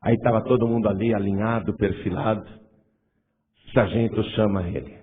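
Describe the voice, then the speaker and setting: A man's voice: fairly low pitch, fairly even intonation, moderate pace, slight background noise. A man with a Brazilian Portuguese accent, a pastor preaching a sermon in a church hall, telling stories with animation and building to fervent appeals. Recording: tinny lo-fi church recording with long reverb.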